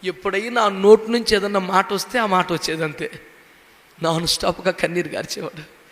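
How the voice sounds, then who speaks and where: A man's voice: high voice, steady tone, a little fast, fairly bright tone. A man preaching a sermon as a pastor, dramatically acting out the voices he quotes. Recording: long hall reverb.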